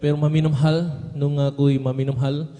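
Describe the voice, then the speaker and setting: A man's voice: on the high side, little pitch movement, brisk, mellow. A young man with a Filipino accent giving an earnest testimony at a prayer service, saying "beloved" after almost every phrase. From Philippines. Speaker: church member giving testimony. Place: church hall. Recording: long reverb of a church hall.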